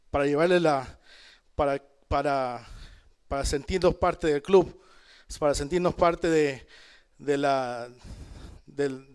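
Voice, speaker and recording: A man leads a church Bible study, his voice pitched a little high and resonant. He talks to the congregation in an easy, conversational way. He calls out amen and checks in with his listeners as he goes. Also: smooth. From El Salvador. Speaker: preacher. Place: church in Canada.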